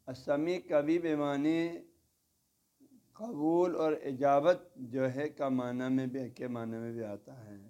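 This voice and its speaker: A man's voice: medium pitch, fairly even intonation, mellow. A man giving a religious lecture who explains word meanings step by step, repeats each gloss and often adds a short "haan ji". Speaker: religious teacher. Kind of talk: lecture explaining a devotional text.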